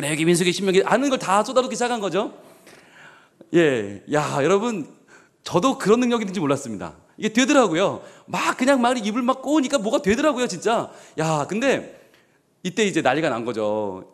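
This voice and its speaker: A man in his forties, a pastor from the Gyeongsang region, preaching a sermon in a church with personal stories, acting out quoted voices and joking. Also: high-pitched. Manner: animated, jokey, acts out quoted voices.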